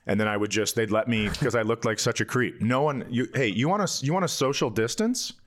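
A man's voice: medium pitch, a little fast, a bit bright. A man who hosts a comedy podcast, telling casual, self-mocking stories and giggling through them. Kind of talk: casual comedic banter and storytelling.

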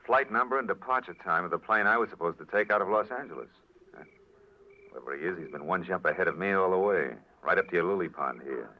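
A man's voice: deep voice, lively intonation, quick pace. A man playing a tough, wry private detective who narrates and talks in clipped, wisecracking lines in a 1940s-style radio drama. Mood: brisk, businesslike. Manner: clipped, wisecracking, hard-boiled delivery. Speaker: lead actor and narrator. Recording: dull old radio broadcast recording with music.

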